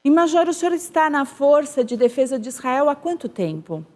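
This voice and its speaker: A woman's voice: high-pitched, very animated, brisk, a little mellow. A woman news anchor presenting and interviewing a guest in a formal, polished manner.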